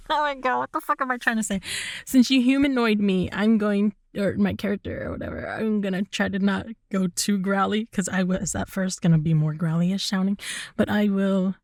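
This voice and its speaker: A woman's voice: medium pitch, darkish tone, no room sound, clean studio sound. A woman voice actor chatting casually between takes, giggly and self-deprecating. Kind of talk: casual outtake chat.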